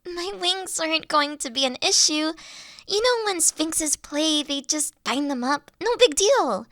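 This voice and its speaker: A woman's voice: sits high, lively intonation, a little slow, fairly bright tone, no echo, clean studio sound. A woman playing a huge, friendly, nerdy young dragon college student in a roleplay audio drama, talking in a bubbly, awkward, hesitant way. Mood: self-conscious.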